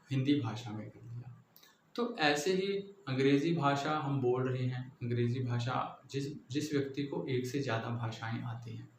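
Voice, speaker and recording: A man from Punjab with a Punjabi accent gives a patient classroom lecture, explaining step by step and often checking that his listeners follow. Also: mid-range voice. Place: classroom with a board. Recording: echoey room, faint background noise.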